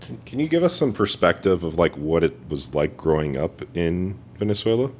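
Deep-voiced man hosting casually. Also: big pitch swings, normal speed, a little mellow, breathy edge. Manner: loose, filler-heavy questions. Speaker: podcast host. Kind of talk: casual interview. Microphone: camera mic.

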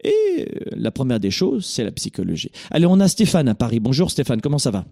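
A man's voice: mid-range voice, huge pitch swings, fairly quick, vocal fry, dark tone. A middle-aged man hosting a call-in coaching show, speaking in an emphatic, preachy, directive way.

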